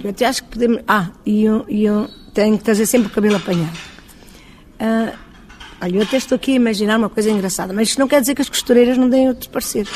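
A woman's voice: medium pitch, darkish tone, a little hiss or hum. A woman with a European Portuguese accent, a hotel owner, talking in an interview in a chatty way, thinking aloud and quoting her own past dialogue.

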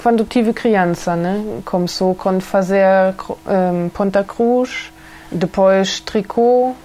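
A German woman, a craftswoman, speaking hesitantly with a German accent in a casual interview, often pausing to find her words. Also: medium pitch, dark tone.

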